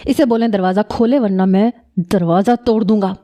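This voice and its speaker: A woman voicing a jealous, hot-tempered young male cousin in a read-aloud story, raising her voice to shout threats. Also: mid-range voice, lightly acted. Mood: furious. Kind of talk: storybook reading.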